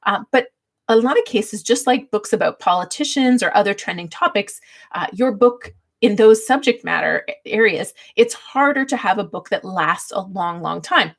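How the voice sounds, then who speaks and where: A woman hosting a casual livestream, chatty and informal as she shares advice and quick to laugh. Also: mid-range voice, animated. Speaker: livestream host.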